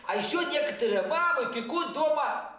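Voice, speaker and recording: Very echoey studio sound carries an excitable little clown with an extremely high, squeaky, bright voice. He exclaims and repeats his phrases eagerly, like an overexcited kid entertaining children on TV. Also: moderate pace, exaggerated voice. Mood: cheerful, eager. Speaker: children's show host. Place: indoor children's TV studio set.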